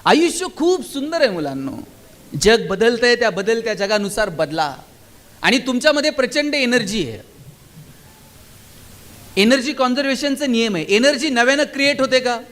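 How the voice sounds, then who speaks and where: A man delivers a fired-up motivational speech to a school crowd, and his voice sits unusually high for a man. He drives his points home with one rhetorical question after another. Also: animated, normal speed, fairly bright tone. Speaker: motivational speaker. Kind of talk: stage speech to students and teachers. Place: school gathering.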